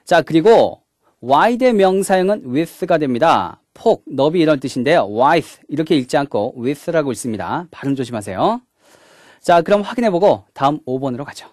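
In a clean, dry studio recording, a man with a fairly high, sing-song and slightly mellow voice lectures on English grammar at a moderate pace. He opens each point with a brief "자," works through it step by step, and blends English words into what he explains.

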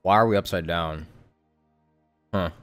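A man's voice: sits low, measured pace, a bit bright, clean tone. A man giving casual live stream commentary as a game streamer, in a wry, joking manner. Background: game music.

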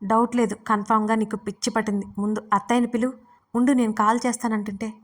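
A woman voicing an anxious, bossy young man who scolds loudly on a late-night phone call. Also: on the high side, flat delivery, quick pace, distant mic, lightly acted. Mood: irritated. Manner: loud and scolding.

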